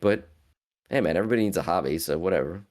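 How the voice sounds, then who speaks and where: A man's voice: low-pitched, fast talker, a little mellow. A middle-aged man co-hosting a casual podcast chat, teasing his friends and joking around. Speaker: podcast co-host.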